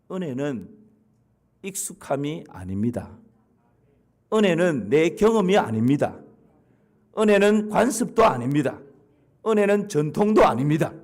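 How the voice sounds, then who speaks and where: A male pastor delivering a sermon, repeating emphatic declarations and blessing the congregation. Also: on the high side.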